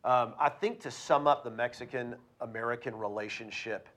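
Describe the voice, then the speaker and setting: A man on a panel, talking in a quick, upbeat way and often correcting himself mid-sentence. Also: medium pitch, fairly bright tone. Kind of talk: panel discussion.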